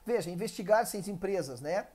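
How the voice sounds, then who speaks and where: A Brazilian man teaches an online exam-prep English class with a Brazilian Portuguese accent, explaining step by step and firing frequent rhetorical questions at the viewer. His high voice is expressive, fairly quick, and a little mellow, though his throat sounds dry.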